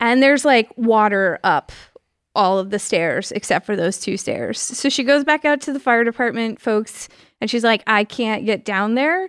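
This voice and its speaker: A woman with a fairly high pitch and an unremarkable speaking voice talks at a moderate pace with lively intonation. The sound is dry and close with no echo, on a very clean recording with a silent background. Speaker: co-host of a workplace podcast, people VP. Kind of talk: casual chat. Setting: studio, in person.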